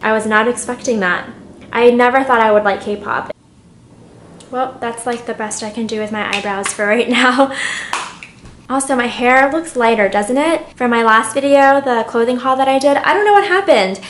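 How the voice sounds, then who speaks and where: A woman's voice: a little high, normal speed, a bit bright, echoey room, a little hiss or hum. A young woman chatting candidly while doing her makeup at home, rambling and open about her feelings. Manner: rambling and candid, getting emotional at times. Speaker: beauty vlogger. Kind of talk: chatty get-ready-with-me vlog.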